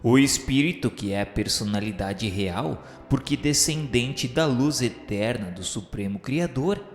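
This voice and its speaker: A Brazilian man delivers solemn literary narration at a slow, deliberate pace. His declamation is formal and grandiloquent, in the manner of a religious radio novel. The voice rings with echo and long reverb over music. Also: medium pitch.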